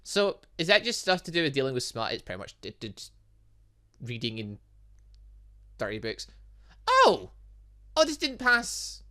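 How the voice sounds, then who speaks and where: A man's voice: fairly high pitch, wildly swooping pitch, normal speed, long pauses, bright, forceful tone. A man giving casual, chatty gaming commentary, thinking aloud as he goes. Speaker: gaming channel host. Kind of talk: casual gaming commentary, reading visual novel dialogue aloud.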